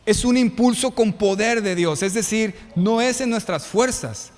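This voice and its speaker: Mexican pastor, male, high voice, expressive sermon with questions to the flock, church hall reverb. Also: a little slow. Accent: Mexican Spanish. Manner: expressive preaching with rhetorical questions to the congregation.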